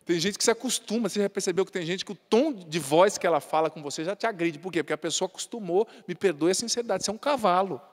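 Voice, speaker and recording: High-voiced Brazilian priest preaching. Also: male voice, quick pace, few pauses, big-room sound. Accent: Brazilian Portuguese. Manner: folksy and humorous, often adds tag questions. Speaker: Catholic priest. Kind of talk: sermon.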